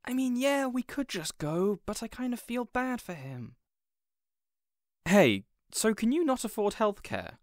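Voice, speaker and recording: A man's voice: high voice, very animated, measured pace, no room sound, studio quality. A man playing a considerate, awkward supervillain boss in an audio roleplay, conversational and a bit hesitant. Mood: concerned. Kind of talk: audio roleplay drama acting.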